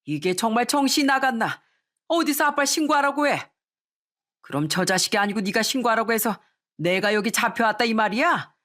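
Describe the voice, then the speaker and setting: A woman's voice: a little high, animated, a little fast, pitched above the performer's own voice. Woman doing a blustering, pompous father-in-law. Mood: furious. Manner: bossy, blustering, shouting. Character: pompous, hot-tempered middle-aged father-in-law. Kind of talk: radio story acting.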